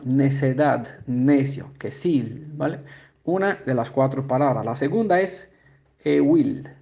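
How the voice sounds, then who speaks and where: A man who speaks Spanish as a second language, explaining word meanings as a Bible teacher, pausing often with fillers and checking in with the listener. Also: mid-range voice, dark tone. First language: not Spanish. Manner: halting, many filler "eh" sounds and restarts, asks "¿no?" and "¿vale?".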